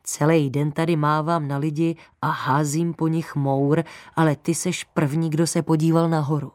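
Friendly male chimney sweep, read by a woman, calm, kindly, talkative, low voice. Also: no room sound, clean studio sound, lightly acted.

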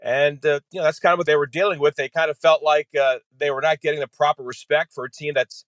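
A man's voice: fairly high pitch, fairly even intonation, fast, a bit bright, no echo. A man who is a radio play-by-play announcer, answering interview questions in a detailed, explanatory way.

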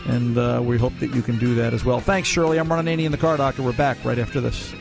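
A man's voice: medium pitch, little pitch movement, fast talker, gravelly, over loud music. A man hosting a call-in car radio show, chatting in a folksy, opinionated way with callers. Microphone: studio mic.

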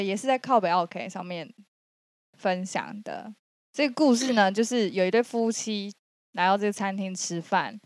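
A woman, co-hosting a podcast and retelling a story in a lively, laughing way. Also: medium pitch, no room sound, clean studio sound. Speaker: podcast co-host. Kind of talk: casual storytelling chat.

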